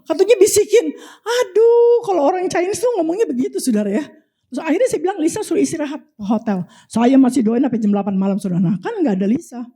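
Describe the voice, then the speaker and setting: A woman with an Indonesian accent preaching an animated sermon, telling testimonies and prophesying over the congregation. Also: high-pitched, rapid-fire. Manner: animated, repeatedly addressing the congregation.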